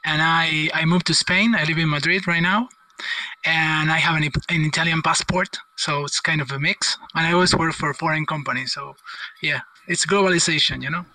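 Podcast guest, man from Argentina, bright tense voice, friendly and hesitant. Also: on the high side, fairly even intonation, normal speed, rough recording. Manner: friendly, laughing, hesitant fillers. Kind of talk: casual interview chat.

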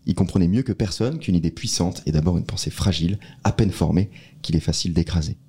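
A man co-hosting a casual podcast, laying out ideas in a steady, measured way. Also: deep voice, breathy edge. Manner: explains rules in a steady, measured way. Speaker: podcast co-host.

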